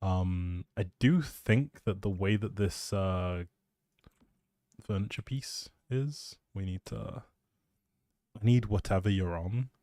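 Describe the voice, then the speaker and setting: A man's voice: low voice, slow, mellow, dry recording. A man chatting casually as a live streamer, rambling in a playful, self-deprecating way into a close microphone.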